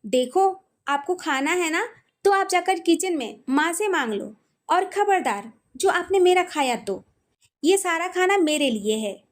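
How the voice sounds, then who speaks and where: A woman's voice: extremely high pitch, lively intonation, measured pace. Woman voicing an irritated young bride. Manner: sharp, annoyed retorts.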